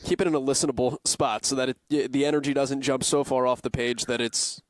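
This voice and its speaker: A man's voice: medium pitch, fairly even intonation, fast, no room sound. A podcast host asking interview questions, rephrasing as he searches for the right words.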